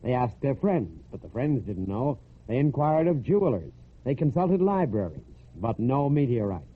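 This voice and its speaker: A man's voice: medium pitch, very animated, normal speed, slightly rough. Old tinny radio sound, american guy hosting military radio, reading stories all folksy and chatty. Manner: folksy, conversational storytelling. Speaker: radio host and storyteller. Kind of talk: scripted narration of human-interest stories for old military radio.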